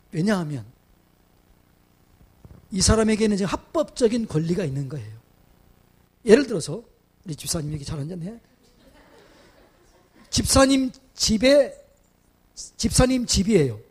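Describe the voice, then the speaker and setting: A male pastor preaching at a revival meeting. He questions the congregation and builds to loud exhortations. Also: sits high, husky. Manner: acts out quoted voices in dramatic asides. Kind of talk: revival sermon.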